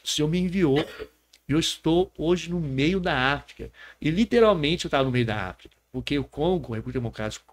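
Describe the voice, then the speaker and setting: Man, pastor, Brazilian Portuguese accent, slightly high voice, earnest testimony, tag questions. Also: expressive, brisk. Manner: earnest storyteller, often adds a tag question. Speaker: pastor and podcast guest. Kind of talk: emotional personal testimony.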